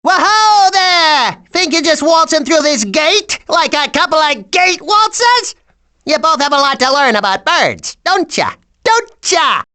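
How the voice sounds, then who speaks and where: Sharp, high, sassy bird. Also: female voice, very animated, measured pace, exaggerated voice. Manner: sassy, sarcastic, bossy. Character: brash, wisecracking, sardonic blue jay bird, bossy hustler. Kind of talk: video game character voice acting.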